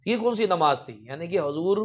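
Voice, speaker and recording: A man's voice: fairly high pitch, lively intonation, fairly quick, lo-fi sound. A man preaching a sermon, telling religious stories with emphatic raised peaks. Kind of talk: storytelling sermon.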